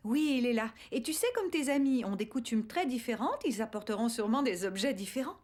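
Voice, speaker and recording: A woman's voice: a little high, lively intonation, brisk, darkish tone. A woman voicing a patient, reassuring mother of a small boy in a children's cartoon.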